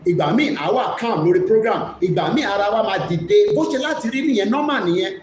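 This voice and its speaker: A man's voice: high-pitched, lively intonation, quick pace. A man with a Nigerian Yoruba accent hosting a live commentary, speaking emphatically and repeating key phrases. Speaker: host of an online media broadcast. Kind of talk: live commentary mixing two languages. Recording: echoey room with faint noise.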